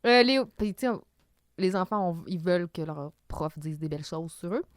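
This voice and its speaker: A woman's voice: fairly low pitch, lively intonation, fairly quick, no room sound, clean studio sound. A woman with a Quebec French accent, co-hosting a casual podcast and explaining things at length with many fillers. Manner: explanatory, talks through detail with fillers. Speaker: podcast co-host. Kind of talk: casual episode recap chat.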